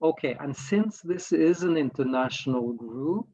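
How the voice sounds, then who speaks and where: The Norwegian workshop facilitator talks in a slow, reflective, hesitant way, frequently groping for words. His fairly high voice is expressive and a little mellow, delivered at a measured pace on lo-fi audio.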